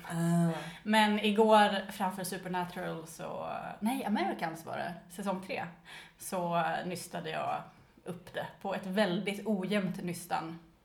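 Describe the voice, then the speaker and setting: In a room with audible echo and noticeable background noise, a woman speaks at a fairly slow pace, her medium-pitched voice keeping fairly even intonation. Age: 30s. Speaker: knitting podcast co-host. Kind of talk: casual chat.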